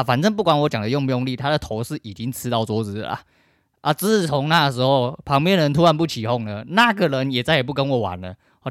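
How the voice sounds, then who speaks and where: A man's voice: medium pitch, dry recording, studio quality. A middle-aged man with a Taiwanese Mandarin accent, hosting a podcast in a blunt, profane, emphatic casual rant. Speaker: podcast host.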